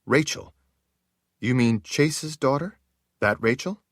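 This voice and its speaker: A man's voice: medium pitch, lively intonation, takes it slowly, no room sound, studio quality, voice pushed up. A man voicing an impatient, anxious young lord firing off urgent questions.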